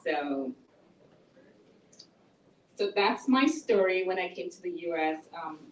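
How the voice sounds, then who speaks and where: A woman's voice: on the low side, expressive, slow, slight background noise. A middle-aged woman, an author giving a conversational talk about her life and work to a small audience. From Nigeria. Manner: conversational, explains plainly. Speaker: author and speaker. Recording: echoey room from a distance.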